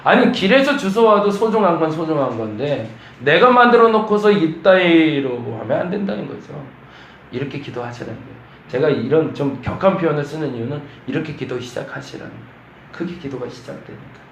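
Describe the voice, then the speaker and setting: A man's voice: fairly high pitch, animated, fairly quick, a little hiss or hum. A man preaching a morning prayer sermon as pastor, often acting out complaining prayers in a raised voice. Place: church sanctuary. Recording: echoey church room, faint ambience.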